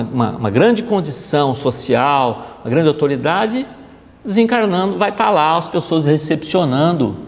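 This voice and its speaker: A man's voice: fairly high pitch, big-room sound. A man gives a conversational gospel study talk, often checking in with his audience. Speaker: spiritist lecturer. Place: spiritist center hall.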